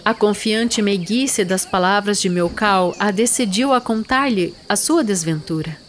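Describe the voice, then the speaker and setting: Woman reading a novel as audio drama, measured n solemn, some birdsong and noise behind. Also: medium pitch. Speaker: narrator. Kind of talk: literary narration, audio drama.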